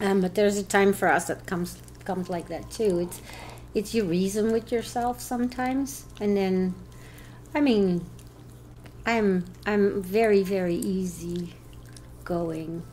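A woman with a Dutch accent speaks at a fairly slow pace and a medium pitch. Her pitch varies in an ordinary way, broken by long, frequent pauses. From Netherlands. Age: 60s. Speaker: guest, host's mother. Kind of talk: interview.

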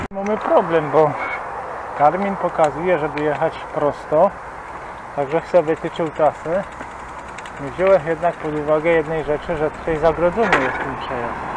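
A man with a fairly high voice speaks at a moderate pace in a fairly even tone, with long, frequent pauses, on a dry recording with no echo but noticeable background noise. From Upper Silesia, Poland. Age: 30s. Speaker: cycling vlogger. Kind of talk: casual vlog monologue. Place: bicycle. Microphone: camera far.

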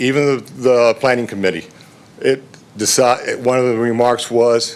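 Over noticeable background noise, a man talks at a fairly slow pace with a medium pitch and fairly even intonation. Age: 70s. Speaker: public commenter, retired construction estimator. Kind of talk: public comment at council meeting. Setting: city council chamber. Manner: halting.

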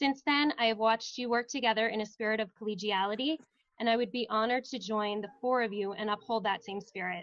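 Over a quiet background, a woman speaks at a very fast pace, her pitch fairly high and her intonation fairly even. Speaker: candidate for school committee. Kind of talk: formal candidate interview answers. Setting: video call. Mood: earnest, composed. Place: home room.

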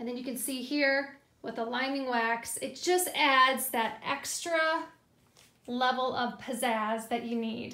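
A woman's raised, projected voice, high in pitch, with an American accent, fairly even intonation, a fairly slow pace and audible room echo. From US Midwest, Minnesota. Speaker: furniture refinisher. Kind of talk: tutorial. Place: workshop. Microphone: phone near.

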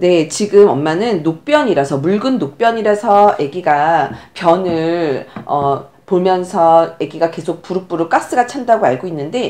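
A woman speaks very slowly in a dark, mellow tone. Her pitch swings very widely. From South Korea. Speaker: parenting coach. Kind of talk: tutorial. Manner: animated. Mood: warm, reassuring. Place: home room.

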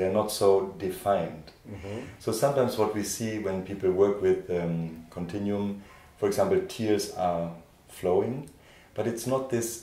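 Audible room echo follows a man whose fairly low pitch and dark, mellow tone come at a fairly slow pace. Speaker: interview guest, movement teacher. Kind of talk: interview answer. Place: home room.

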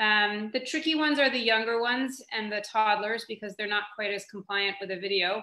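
Speaking at a fairly quick pace with hardly any pauses, a woman with an American accent uses a fairly high pitch and ordinary pitch variation, with audible room echo over a quiet background. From Vermont, US. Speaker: pediatric physician; guest. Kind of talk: interview. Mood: calm, thoughtful. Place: kitchen. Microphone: video call.

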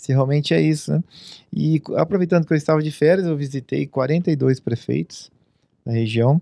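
A man's fairly high-pitched, dark, mellow voice at a moderate pace with ordinary pitch variation, dry with no echo, over a quiet background. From Brazil, Paraná (Umuarama); Paraná, Brazil. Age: 40s. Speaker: agricultural technician and political pre-candidate; candidate. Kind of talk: interview on local TV show. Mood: calm, relaxed conversation. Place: home room. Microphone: handheld.

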